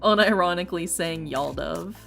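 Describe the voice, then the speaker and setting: Young Texan woman streamer, loose and rambly, slight fry, soft music underneath. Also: fairly low pitch, moderate pace. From Texas. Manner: rambling, filler-heavy, swears casually. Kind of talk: casual stream chat. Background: lofi music.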